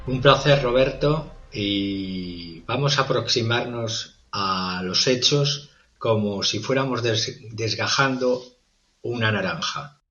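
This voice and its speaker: A male political analyst giving formal, methodical commentary, often pausing on "eh" between points. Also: mid-range voice, sharp tone, muffled recording, soft background music. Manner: formal and methodical, with frequent hesitations.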